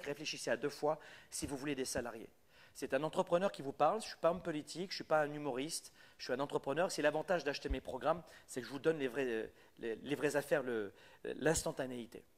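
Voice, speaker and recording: A middle-aged man with a French accent, giving a live business coaching talk and hammering his key points home with repetition. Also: a little high. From France. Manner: emphatic, repeats key points. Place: Quebec.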